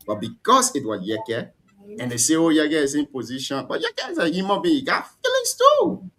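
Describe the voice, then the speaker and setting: Man, talk show host, animated intonation, challenging. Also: a little high, moderate pace. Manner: lively, challenging, pushes back on guests. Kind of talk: hosting a political talk show.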